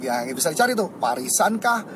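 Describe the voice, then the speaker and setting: A middle-aged man giving a motivational sales lesson, explaining points and acting out eager sales pitches with lively energy. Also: fairly quick, noisy background. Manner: lively, acts out sales pitches with rising enthusiasm. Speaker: sales trainer.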